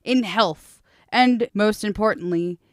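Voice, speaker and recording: A woman voicing a brutal, broad-shouldered young male high prince who makes loud proclamations. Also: slow pace, dry recording, studio quality. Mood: proclaiming.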